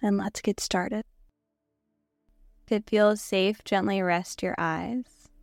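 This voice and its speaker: A woman with a hoarse, worn-down voice, hosting a podcast and gently guiding a yoga nidra meditation with soft, slow instructions and long pauses. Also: medium pitch, steady tone, no room sound, faint music behind. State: hoarse, losing her voice. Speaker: podcast host and meditation guide.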